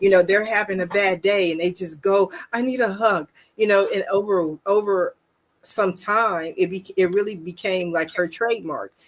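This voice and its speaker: Here a woman speaks at a moderate pace with a medium pitch and fairly even intonation. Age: 40s. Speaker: tarot reader and show host. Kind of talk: live tarot reading interview.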